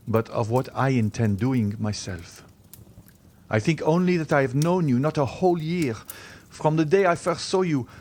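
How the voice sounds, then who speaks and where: A proud young lover as a male narrator plays him speaks at a middle pitch with earnest, formal intensity. His devotion is edged with bitterness and desperation, in the manner of a classic-novel reading. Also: a little mellow, natural voice. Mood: bitter resignation.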